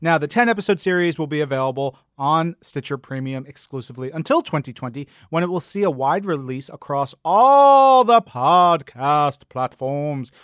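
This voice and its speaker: An excitable man hosts a podcast in a fairly high voice. He is playful and emphatic, and the recording is dry and free of echo. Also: moderate pace, hardly any pauses, clear, resonant tone. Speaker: podcast host and interviewer. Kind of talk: upbeat podcast hosting.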